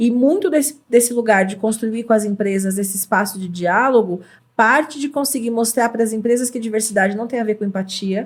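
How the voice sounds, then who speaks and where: Speaking with a São Paulo accent, a woman talks at a fairly quick pace in a fairly high, somewhat breathy voice with ordinary pitch variation. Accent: São Paulo (paulista). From Brazil, São Paulo outskirts. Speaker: anthropology professor and diversity consultant. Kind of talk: podcast panel discussion.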